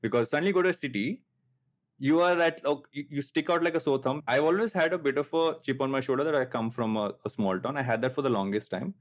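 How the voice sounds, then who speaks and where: This podcast host, a late-thirties man from coastal Andhra Pradesh, has a Telugu Indian accent and a mid-range voice that moves at a quick pace. His talk is relaxed and reflective, full of stories and jokes at his own expense.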